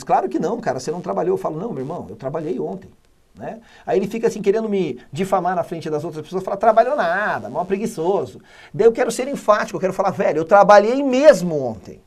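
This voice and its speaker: A man from Brazil teaching an exam-prep English lesson, energetic and chatty, reading English slowly and then explaining fast. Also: high voice.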